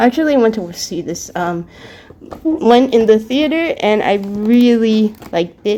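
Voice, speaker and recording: Over noticeable background noise, a woman speaks fairly slowly at a fairly high pitch with lively intonation. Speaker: anime figure reviewer. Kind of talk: casual unboxing review. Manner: casual, filler-heavy.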